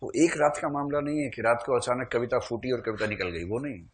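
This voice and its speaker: A man's voice: medium pitch, a little fast. A male teacher delivers a classroom lecture in an easy, conversational manner. He slips in humorous asides and keeps checking in with his listeners as he explains.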